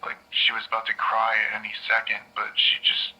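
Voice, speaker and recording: Give me a nervous young guy who stammers and repeats himself, with a low, bright, edgy voice. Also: monotone, a little fast, low-quality recording. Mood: anxious. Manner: stammering, repeats words, hesitant. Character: nervous young man in therapy, rambling. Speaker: patient in a therapy session. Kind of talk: audio drama acting.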